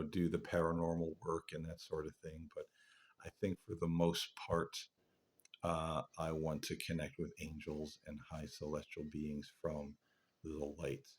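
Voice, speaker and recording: A man with a very low, somewhat raspy voice speaks to his viewers as host of a paranormal channel. His delivery is a casual, reflective monologue, earnest and halting, often circling back to restart a thought.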